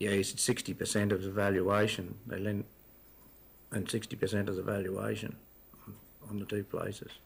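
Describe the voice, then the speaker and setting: In a rural Australian accent, a man talks at a moderate pace with a fairly low pitch and vocal fry. His intonation is flat and monotone, broken by long, frequent pauses. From western Queensland, Australia. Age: 60s. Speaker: cattle farmer; witness. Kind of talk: testimony; testimony answers. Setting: courtroom. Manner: halting. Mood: calm, plain, slightly hesitant. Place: hall. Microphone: podium.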